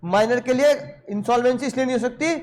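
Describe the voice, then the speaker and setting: A man teaching law in an animated lecture, on the terms, who keeps asking his students questions and answering them himself. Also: extremely high pitch, quick pace. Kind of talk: lively Hindi lecture.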